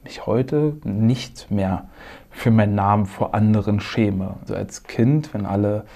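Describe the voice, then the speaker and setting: A man's voice: fairly low pitch, measured pace, vocal fry, mellow. A man from eastern Germany speaking reflectively in a radio interview clip. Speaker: author interviewed. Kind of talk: interview excerpt.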